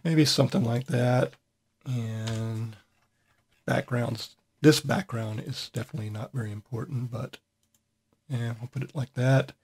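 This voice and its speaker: Relaxed man thinking aloud in a tutorial. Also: medium pitch, unhurried, husky. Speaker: software tutorial host. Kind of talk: casual screen-recorded tutorial.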